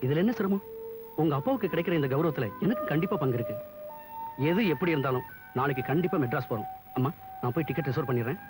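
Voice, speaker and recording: A man's voice: fairly high pitch, expressive, fast, over music, lightly acted. An actor playing a polite, persuasive and confident young man in a 1980s Tamil film. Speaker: office worker.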